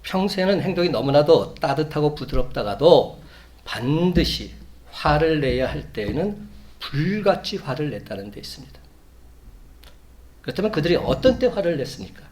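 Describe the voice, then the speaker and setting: A man preaching a Sunday sermon as a pastor, measured, building to emphatic peaks. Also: on the high side, big pitch swings. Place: church sanctuary.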